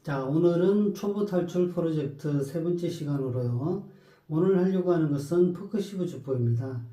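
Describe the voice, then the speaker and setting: A man's voice: on the high side, moderate pace, warm tone, roomy sound. A man teaching a guitar lesson, patiently explaining step by step and counting the beats aloud.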